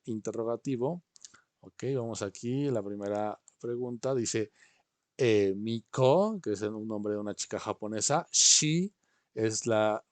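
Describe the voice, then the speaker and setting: A man's voice: on the low side, darkish tone, no echo. A man teaching an online class, patiently explaining and often checking in with his students. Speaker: language teacher. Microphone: video call.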